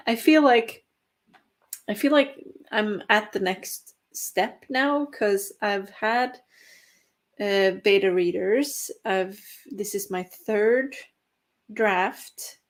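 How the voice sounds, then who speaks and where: امرأة نرويجية تتحدث ببطء مع ضحكات. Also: female voice, mid-range voice. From Norway. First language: Norwegian. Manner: slow, chatty, with frequent laughs and fillers. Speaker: writing stream host. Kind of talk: casual livestream chat with viewers.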